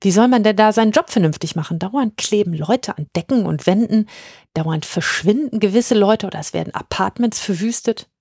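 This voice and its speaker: A woman voicing an eccentric female Christmas witch who speaks in exaggerated courtly phrases with high, squeaky swoops. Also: normal speed, a little mellow, husky, no room sound, clean studio sound. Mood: chatty.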